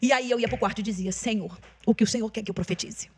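High, husky Brazilian woman giving testimony. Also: fast talker. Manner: emotional, emphatic, repeats phrases. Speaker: gospel singer, podcast guest. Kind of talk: testimony in casual chat.

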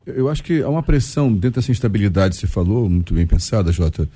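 Man in his fifties, mellow dark tone, warm and personal, recorded dry. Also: fairly low pitch, lively intonation, quick pace, breathy edge, no room sound. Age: 50s. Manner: warm, personal, quotes books. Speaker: panel guest. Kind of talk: Christian radio discussion panel.

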